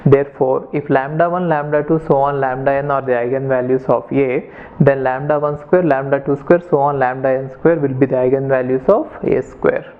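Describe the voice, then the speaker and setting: A man's voice: medium pitch, fairly even intonation, normal speed, clear, resonant tone. A man with an Indian accent giving an explanatory lesson as a lecturer, going step by step, repeating points and checking that listeners follow. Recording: narrow, phone-like lo-fi lecture audio.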